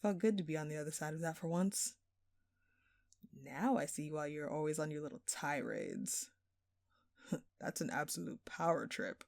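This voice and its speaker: Woman acting a smug, flirty jewel thief, softly mellow. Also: deep voice, creaky, no echo, clean studio sound. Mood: gleeful, taunting. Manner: teasing, sarcastic, drawn-out theatrical phrasing. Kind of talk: scripted audio roleplay addressed to the listener.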